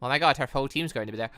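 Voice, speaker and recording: A man giving casual, rambling and excitable commentary while playing a visual novel. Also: on the high side, no echo. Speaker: gaming video host reading a visual novel aloud. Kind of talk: casual playthrough commentary with dialogue read aloud.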